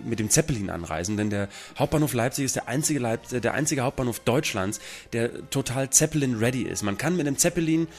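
Fast-talking joking German radio host. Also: male voice, medium pitch, lively intonation. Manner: fast, absurd joking tangents. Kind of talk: improvised comedy radio chat.

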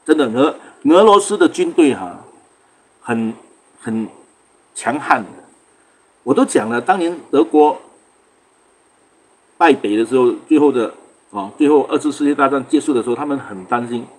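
Man from singapore, livestream host, husky voice, chatty, greets viewers, laughs a lot. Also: mid-range voice, animated, normal speed, long pauses, a little mellow. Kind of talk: casual livestream chat.

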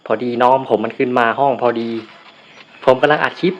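A man casually commentating his own shooter game from a room at home, with shy mumbled asides that break into loud cursing outbursts. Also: medium pitch, a little fast. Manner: swears and shouts in bursts at the game. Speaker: gamer recording a let's play. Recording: dull lo-fi sound with faint noise.

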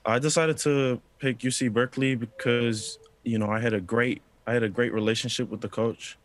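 A man's voice: mid-range voice, steady tone, normal speed, slight background noise. A young man from New Zealand on a video call, answering politely and earnestly, calling the host sir. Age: young adult. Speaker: interviewee. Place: indoor room.

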